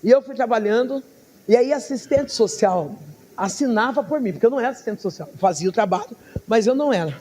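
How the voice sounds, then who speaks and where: A woman pastor preaching a sermon, telling her story with lively, acted-out dialogue and frequent laughs. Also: fairly high pitch, fast talker, big-room sound, slight background noise. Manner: laughs often between phrases.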